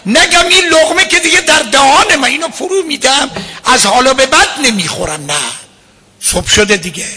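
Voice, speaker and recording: A man giving a religious lecture as a cleric, emphatic and at times rising to a shout. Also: very high-pitched, expressive, slight background noise.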